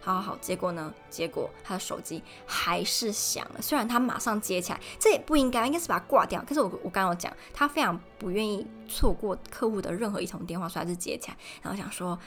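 A young woman from Taiwan, chatting casually on her solo podcast from home and telling stories in an animated way. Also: medium pitch, fast talker, few pauses, faint music behind. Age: young adult. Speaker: podcast host.

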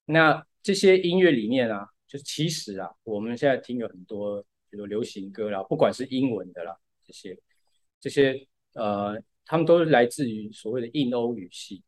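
A man's voice: mid-range voice, expressive, normal speed. Patient man explaining music. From Taiwan. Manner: explains patiently with many "对" fillers. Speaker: podcast co-host. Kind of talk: casual explanatory chat.

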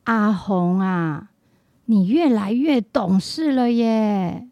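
A woman's voice: medium pitch, takes it slowly, dark tone, no echo, highs cut off. A woman acting an affectionate, easily indignant, confused old woman with dementia in a radio drama. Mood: fond.

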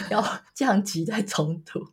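A woman's voice: medium pitch, slow, husky. A woman in her thirties from Taiwan, co-hosting a casual podcast chat, telling stories and laughing often. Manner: chatty storyteller, laughs often. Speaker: podcast co-host.

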